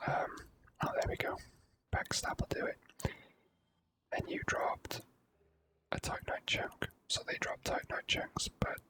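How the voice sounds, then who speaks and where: A person whispering slow, gentle ASMR commentary while playing a video game. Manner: hushed, gentle, slow and unhurried. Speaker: video game player and host.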